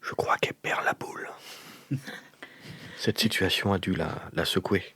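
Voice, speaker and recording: A man improvising a wry survivalist captive with a deadpan, conspiratorial way of talking. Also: low-pitched, measured pace, husky, in a whisper, full character voice. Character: dry, self-styled survivalist male captive with wry asides. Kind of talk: improvised roleplay.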